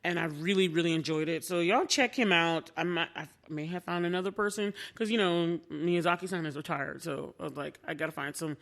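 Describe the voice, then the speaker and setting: A woman's voice: fairly low pitch, a little fast, few pauses, a bit bright. A woman co-hosting a podcast in casual, enthusiastic chat, often calling her listeners "y'all.". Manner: chatty, enthusiastic, says "y'all" a lot. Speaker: podcast co-host.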